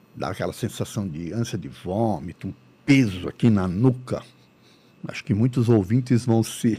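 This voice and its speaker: Loudness swings widely as a man speaks at a moderate pace in an ordinary speaking voice. His pitch is fairly low, with ordinary pitch variation. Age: 60s. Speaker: spiritist lecturer. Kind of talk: interview testimony.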